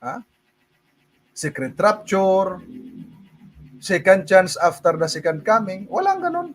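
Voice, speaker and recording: A man's voice: high voice, slow pace, faint music behind. A man with a Filipino accent preaching a livestream sermon and answering viewer questions, switching between Tagalog and English and often laughing as he calls his listeners brothers and sisters. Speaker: pastor.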